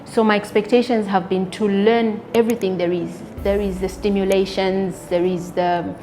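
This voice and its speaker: A woman from Zambia, an obstetrician-gynecologist giving an earnest, measured testimonial with frequent pauses. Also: medium pitch, flat delivery, warm tone, slight background noise. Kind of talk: spoken testimonial.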